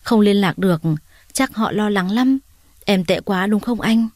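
A tearful young woman comes home after years away, voiced by a female narrator. She speaks in a pleading, emotional voice at a middling pitch. The sound is dry and close. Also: unhurried, darkish tone, dry recording, natural voice. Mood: wistful.

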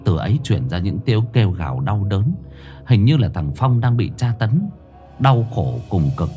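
A man narrating a ghost story in a dramatic manner, slowing down for suspense. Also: on the low side, sing-song, dark tone, soft background music.

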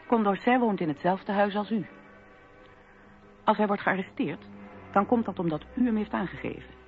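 A woman's voice: mid-range voice, normal speed, lightly acted. A woman playing a resolute, coolly admonishing French Revolution landlady in a radio play. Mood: stern, cool. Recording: phone-like radio recording, faint music.

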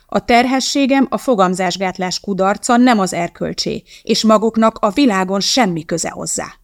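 A woman voicing a calm, unflinching woman scientist. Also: mid-range voice, creaky, no echo, studio quality, close to an everyday voice. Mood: calm and firm. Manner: calm, matter-of-fact. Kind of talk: audiobook reading.

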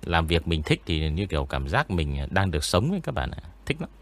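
Deep-voiced man, eerie tone. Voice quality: eerie, spooky-sounding voice. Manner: relaxed, rambling, with frequent pauses. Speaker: ghost story narrator and studio owner. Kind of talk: casual interview chat.

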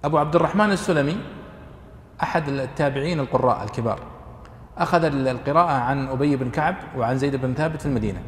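Fast-talking male lecturer in an echoey hall. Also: medium pitch. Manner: explanatory, halting with fillers and restarts. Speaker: lecturer on Quranic exegesis. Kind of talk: classroom lecture. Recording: echoey hall, faint room noise.

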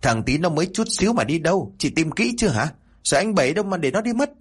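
A man's voice: on the high side, big pitch swings, fast, slightly rough, soft background music, voice pushed up. A man doing an alarmed Southern Vietnamese village man. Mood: urgent. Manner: urgent pressing questions. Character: alarmed young village man, urgent neighbor.

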